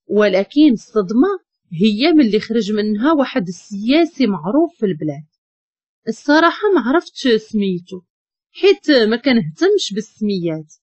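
A Moroccan woman narrating a story in the first person, chatty and full of wry asides. Her voice sits fairly high and moves in lively swings. The recording is dull and lo-fi, dry and close to the mic. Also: breathy edge, dry recording.

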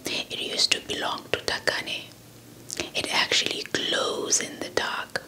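Holding a windscreen-covered handheld microphone near her mouth, a young woman from South Africa whispers a folktale for ASMR, breathy and playful, with bits of roleplay and repeated words and phrases. She takes it slowly, and her tone is sharp. The setting is a small indoor space with a cloth backdrop.

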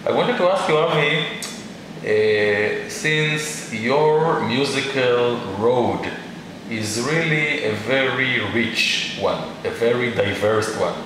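Slow-spoken male interviewer, echoey room. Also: medium pitch. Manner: slow, measured, polite questioning. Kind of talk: interview questions. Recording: echoey room, distant mic, noisy.

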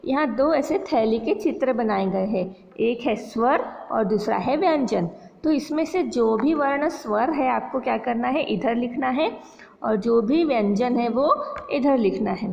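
A woman teaching Hindi to young schoolchildren. She walks them through a worksheet patiently and slows down to sound out words and letters. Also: a little high, gravelly, darkish tone. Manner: patient, repeats "बच्चों" often, stresses pronunciation slowly. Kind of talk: online lesson explaining a worksheet to children. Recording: long reverb, dull lo-fi sound.

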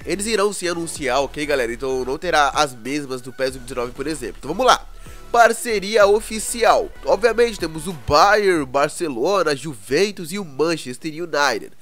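Stuffy-nosed, hoarse Brazilian man, quick and high. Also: lively intonation, a bit bright, soft background music. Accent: Brazilian Portuguese. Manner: chatty, keeps asking the viewers "né, cara?". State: congested nose, hoarse with a cold. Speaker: gaming YouTuber. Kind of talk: casual gaming news commentary.

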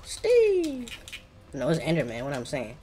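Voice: medium pitch, lively intonation, normal speed, slight background noise. A gaming streamer with an African American accent, giving casual, colloquial gameplay commentary and reacting as they play. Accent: African American English.

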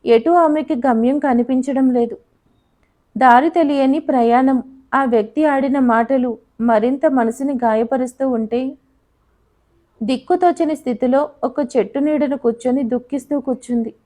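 A woman narrating a love story in a steady, emotive storytelling manner. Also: high-pitched, normal speed.

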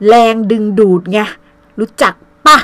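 A woman's voice: measured pace, sharp tone, dry recording. A woman in her fifties talking straight to camera in a blunt, coarse, scolding way, speaking as a vlogger. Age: 50s. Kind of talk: casual livestream rant.

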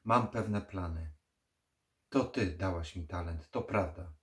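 A man's voice: deep voice, slow pace. A man reading the part of a stubborn, haunted young man in an audiobook horror story. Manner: stubborn, agitated.

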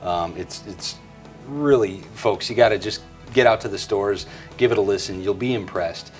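A man in his forties presents a product tutorial in a conversational style. His voice sits a little low, with faint music behind him. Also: normal speed.

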